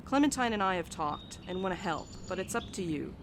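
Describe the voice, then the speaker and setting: A woman's voice: fairly low pitch, lively intonation, a little fast. Blunt young woman mail carrier, faint background noise. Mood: blunt, earnest. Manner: blunt, casual, teasing. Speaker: voice actor in audio drama. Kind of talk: naturalistic audio drama dialogue.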